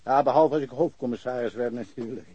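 A man's voice: medium pitch, a little fast, dark tone, breathy edge, no room sound, lo-fi sound, lightly acted. An actor playing a chatty, wry small-town policeman in a naturalistic radio crime drama, rambling along with dry humour. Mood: dryly amused. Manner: rambling, dryly humorous. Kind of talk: naturalistic radio play dialogue.

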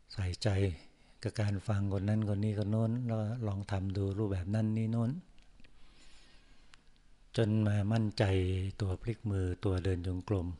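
A male Buddhist monk giving a sermon, speaking slowly and calmly with frequent pauses. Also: fairly low pitch. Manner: slow, measured speech with many pauses and the particle "na". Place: forest monastery.

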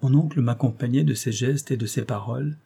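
Man with a mellow voice reading a novel. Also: medium pitch, brisk, creaky, husky. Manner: expressive reading, lifting his voice for quoted speech. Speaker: audiobook narrator. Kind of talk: scripted narration of a classic novel.

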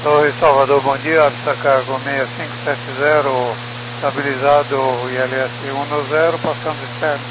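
A male pilot with a Brazilian Portuguese accent reads back clearances in short, low-key radio calls. His voice comes through the aircraft radio at a middling pitch. Steady static hiss sits under every word. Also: moderate pace. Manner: terse, procedural, low-key. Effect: pilot heard over aircraft radio. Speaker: cargo airline pilot. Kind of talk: clipped radio calls to air traffic control. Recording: hissy noisy radio transmission.

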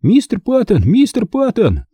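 A male reader voicing a small, frightened boy who pleads and shouts for help. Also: high voice, huge pitch swings, moderate pace, husky, dry recording, clean studio sound, voice pushed up, heavily acted. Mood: desperate.

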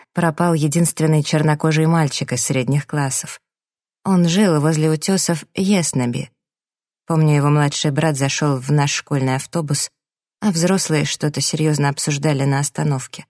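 Low woman narrator, calm reflective memoir reading, dry studio sound. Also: dry recording. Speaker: audiobook narrator.

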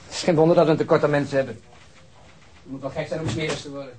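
An actor playing a sober, weary police detective in a radio crime drama, terse and subdued. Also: male voice, on the high side, fairly even intonation, fast talker, darkish tone, slight background noise, close to an everyday voice, low-quality recording. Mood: reluctant, grumbling. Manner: terse, matter-of-fact, subdued.

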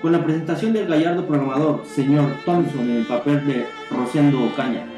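Narrator for old-time radio drama: Mexican man, theatrical announcing, roomy sound over clear string music. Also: a little high, a little fast.

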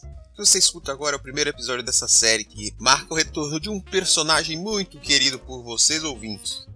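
Um homem interpretando um capitão de nave informal e expressivo, apresentador e narrador de um audiodrama. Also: male voice, medium pitch, pushed and bright. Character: male spaceship captain, breezy, mildly grumpy storyteller. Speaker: host. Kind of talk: audio drama narration and dialogue.

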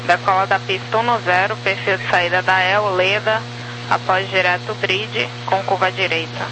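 A Brazilian man working as an air traffic controller, reciting clearances over crackly military-style radio. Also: sits high, level tone, normal speed. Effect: aviation radio transmission. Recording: noisy humming aviation radio.

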